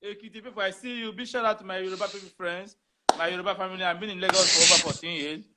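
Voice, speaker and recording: A man's voice: high voice, fairly even intonation, very fast, heavy background noise. A man hosting a casual live talk show, who keeps repeating his greetings and blessings. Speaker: show host.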